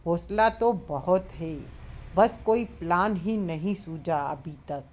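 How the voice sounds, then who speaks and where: A woman's voice: on the low side, slow pace, a little mellow. A woman voicing an eager, boastful young male militant in a storybook reading.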